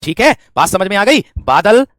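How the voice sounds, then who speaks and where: A man's voice: high voice, very animated, normal speed, fairly bright tone, no room sound, studio quality. A man teaching an exam-prep grammar lesson, asking the class questions and answering them himself, repeating key phrases. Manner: repeats phrases, often says "my friend".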